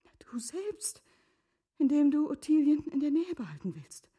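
An actress playing a composed, earnest middle-aged wife in a literary radio drama, speaking formally with a breathy, often hushed delivery. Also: female voice, high voice, sing-song, moderate pace. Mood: insistent, pleading.

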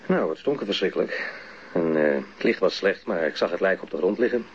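An actor playing a plain-spoken, unsure policeman giving testimony in a radio drama, hesitant and matter-of-fact, with a husky, raspy voice. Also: sits low, animated, fairly quick, a little hiss or hum. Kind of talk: naturalistic radio drama dialogue. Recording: muffled radio drama recording.

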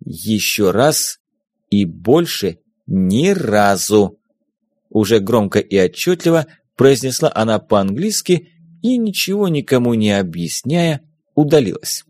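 Lively male audiobook narrator. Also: medium pitch, no echo. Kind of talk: scripted narration.

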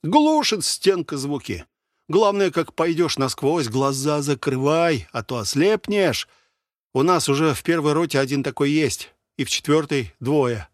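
A man's voice: a little high, lively intonation, measured pace, no echo, studio quality. A man voicing a cocky, sarcastic black-haired male soldier with a mocking, needling manner. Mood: explaining.

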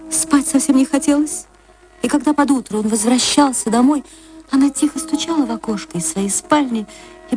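A woman with a somewhat high voice reads a classic story aloud in a gentle, measured storytelling manner. Soft music plays faintly beneath her narration. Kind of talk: literary audiobook reading.

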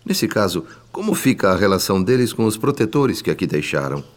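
A male actor with a Brazilian accent playing an earnest, reverent spirit who narrates a radio drama in a solemn, measured, formal way. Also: deep voice, big pitch swings. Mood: earnest, questioning. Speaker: narrator character. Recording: long reverb with music behind. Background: music.

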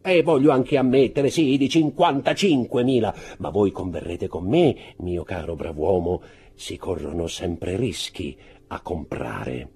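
A man voicing a shrewd, calculating male jeweller who speaks calmly and coolly in an audiobook. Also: deep voice, unhurried, husky, faint music behind, heavily acted. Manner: calm, cool, calculating, sometimes murmuring.

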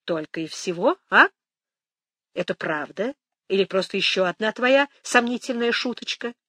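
A wry, sharp-tongued old grandmother, voiced by a woman reading an audiobook. She teases with a lively, swooping pitch and an ironic edge. The sound is close and dry. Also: moderate pace, no echo. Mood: teasing. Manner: ironic, teasing.

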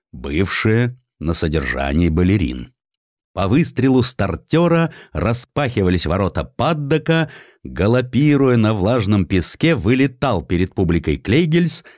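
A man's voice: lowish voice, darkish tone, no echo, clean studio sound. A man narrating a satirical historical story as an audiobook, in a theatrical, ironic storytelling manner.

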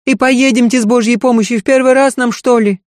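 High, hurried wailing maidservant, folksy, fussing, a woman doing the voice, dry. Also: steady tone, a little mellow, no room sound, natural voice. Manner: wailing, rapid, folksy lamenting. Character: fussy tearful peasant maidservant, middle-aged woman.

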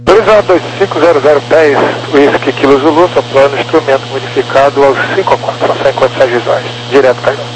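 A man's voice: mid-range voice, fairly even intonation, fast talker, few pauses. A man speaking in clipped air traffic phrases over an aviation radio. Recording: noisy crackly radio transmission with hum.

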